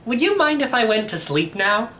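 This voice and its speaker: A man's voice: very high voice, sing-song, moderate pace, pushed and bright, exaggerated voice. A man voicing a curious young nephew in a storybook, playful and a little skeptical, asking plain questions. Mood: puzzled. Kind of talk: acted storybook reading.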